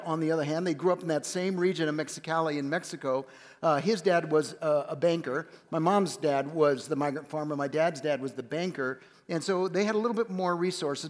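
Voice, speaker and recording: A man in his fifties telling a family story to a church congregation in an earnest way. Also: fairly high pitch. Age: 50s. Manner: earnest, with frequent uh fillers. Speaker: church guest speaker. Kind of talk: storytelling on stage. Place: large church auditorium. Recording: long hall reverb.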